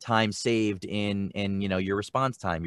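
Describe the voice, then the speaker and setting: A man with a plain, everyday voice speaks at a fairly low pitch and with fairly even intonation. The sound is dry, with no echo. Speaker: marketing coach. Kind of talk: interview answer. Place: booth. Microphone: studio mic.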